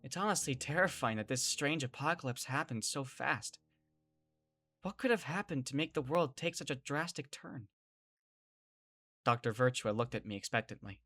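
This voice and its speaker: An actress playing a bewildered, exasperated kid, telling the story in dramatic first person in an audio drama. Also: female voice, a bass voice, lively intonation, normal speed, fairly bright tone, faint music behind, full character voice. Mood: brooding, narrating. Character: bewildered, exasperated young kid narrating an apocalypse ordeal.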